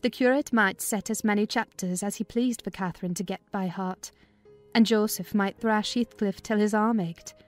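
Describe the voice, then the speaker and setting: A woman's voice: medium pitch, fairly even intonation. Woman narrating over faint music. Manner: measured literary storytelling. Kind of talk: dramatized audiobook narration.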